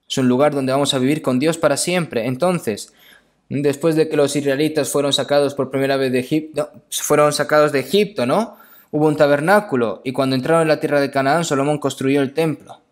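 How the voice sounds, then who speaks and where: A man with a mid-pitched voice delivers a sermon and reads scripture. He moves in halting phrases, going back over his words and checking in with brief questioning tags.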